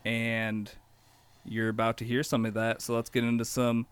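A man's voice: mid-range voice, completely flat delivery, normal speed, clear, resonant tone, no echo. A man hosting a casual gaming podcast, chatty and joking, laughing often as he talks. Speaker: podcast host.

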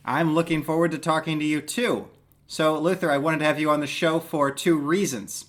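A man's voice: a little high, fairly even intonation, moderate pace. A man hosting a podcast interview, greeting his guest and asking friendly, rambling questions. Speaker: podcast host.

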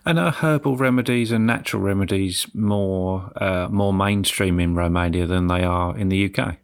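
A man hosting a podcast interview, relaxed and hesitant, with many ums. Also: deep voice, normal speed, clean tone, no echo. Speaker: podcast host. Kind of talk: casual interview.

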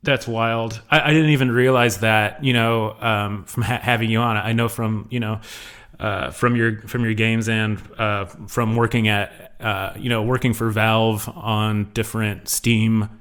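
A man's voice: on the low side, little pitch movement, measured pace, fairly bright tone, clear, resonant tone. A man hosting a casual podcast chat, talking with many fillers and restarts. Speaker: podcast host. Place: Texas.

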